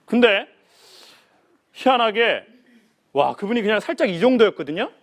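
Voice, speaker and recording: A man giving a humorous life lecture to an audience, playful and animated, often acting out other people's voices. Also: sits high, normal speed.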